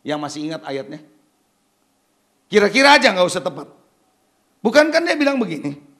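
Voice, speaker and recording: Man preaching, very high voice, sharp tone, rhetorical questions, english phrases mixed in. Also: very animated, a little fast. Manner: emphatic, peppers talk with rhetorical questions to the congregation. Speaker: pastor. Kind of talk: sermon.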